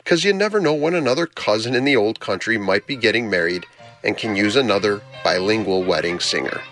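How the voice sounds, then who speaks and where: A man's voice: on the low side, lively intonation, brisk, music in the background. A man from Chicago with a Chicago accent, whose first language was Greek, delivering a personal, conversational scripted radio news report.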